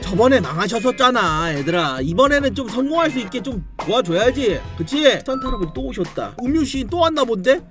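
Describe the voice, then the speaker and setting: High-pitched, animated male game streamer. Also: fast talker, hardly any pauses. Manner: theatrical, exclamatory, playfully addressing viewers. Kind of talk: excited live game commentary. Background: game music.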